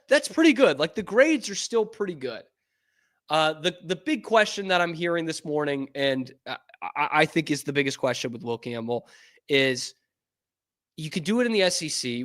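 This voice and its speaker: A man from New England hosting a sports show, talking casually and getting excitable and profane. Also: fairly high pitch.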